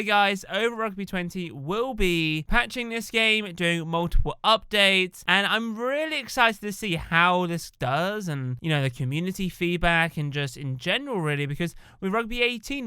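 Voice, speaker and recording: A man's voice: high-pitched, bright, forceful tone, clean tone, no echo. A young man chatting upbeat to his viewers as a gaming YouTuber, addressing them casually as guys. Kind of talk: casual video-game news talk.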